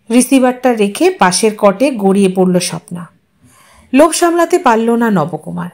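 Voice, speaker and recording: A woman with a fairly high voice narrates a literary audio story. She reads in a calm, measured way and moves steadily from line to line.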